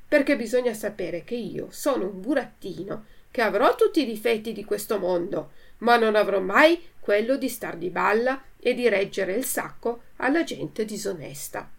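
A woman's voice: medium pitch, expressive, normal speed, creaky, hardly any pauses. Woman voicing an eager wooden puppet boy. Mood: indignant.

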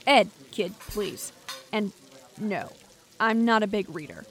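A woman's voice: mid-range voice, slow pace, fairly bright tone. An actress playing a flippant, awkward woman scientist in an audio drama, with a casual, slangy, blurting manner. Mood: dry, teasing. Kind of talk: naturalistic audio drama acting.

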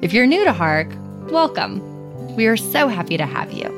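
A woman hosting a podcast, delivering polished, measured scripted narration. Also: a little high, sing-song, music in the background. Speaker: podcast host.

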